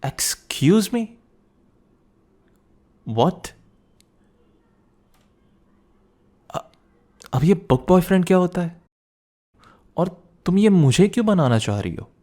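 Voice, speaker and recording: Guy acting as a young boyfriend, dark mellow voice, teasing n protective, soft asmr roleplay style. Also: sits high, very animated, takes it slowly, long pauses, heavily acted. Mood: mock-offended.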